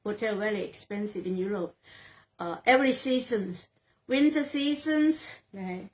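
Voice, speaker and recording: A Thai woman in her sixties with a Thai accent talks about her sales career in a slow, unhurried way. She speaks halting English, stops to find words and says phrases twice. Her pitch sits in a middle range for a woman. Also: poor audio. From Thailand. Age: 60s. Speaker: real estate sales agent. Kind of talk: interview answers in English.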